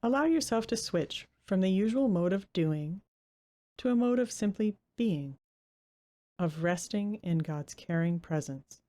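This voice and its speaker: Guiding a Christian meditation, a woman with a medium-pitched voice and lively intonation gives gentle instructions. She takes her time, letting long pauses fall between phrases.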